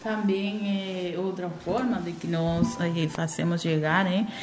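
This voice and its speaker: A woman, a Spanish speaker, talking haltingly as a missionary guest in an interview. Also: lowish voice, flat delivery, darkish tone. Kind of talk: conversational interview.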